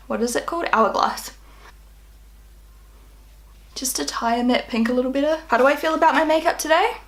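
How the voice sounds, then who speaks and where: A woman's voice: fairly high pitch, fairly bright tone. A woman chatting casually through a makeup tutorial, bubbly and talkative, often filling her speech with "like". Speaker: beauty vlogger.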